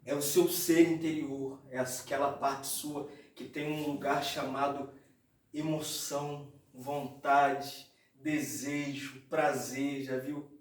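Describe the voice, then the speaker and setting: A man, preaching a lively storytelling sermon and calling the listeners brothers. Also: medium pitch, slow pace. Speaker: pastor. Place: church hall. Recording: echoey church, mic far off.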